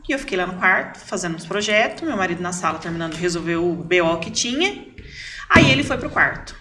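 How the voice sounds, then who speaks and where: A middle-aged woman, a podcast guest, telling a family story in a lively way and repeating words for emphasis. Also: fairly low pitch, fast talker, a little hiss or hum. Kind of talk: casual storytelling.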